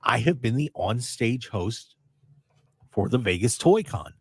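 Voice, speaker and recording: A man hosting a radio show in casual, rambling chat, his voice a little raspy and strained. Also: medium pitch, a little slow, dry recording, clean studio sound. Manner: chatty, excitable, rambling. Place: radio studio.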